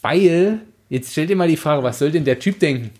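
A man's voice: a little high, expressive, normal speed, a little mellow. A young man, co-hosting a podcast and discussing a book casually in an emphatic, slangy, exasperated way. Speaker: podcast co-host. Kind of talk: casual opinionated book discussion with read-out quotes.

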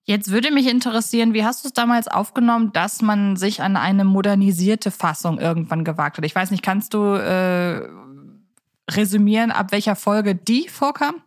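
A woman's voice: mid-range voice, normal speed, no echo, studio quality. A woman co-hosting a casual podcast discussion, speaking in a reflective, opinionated way. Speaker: podcast co-host.

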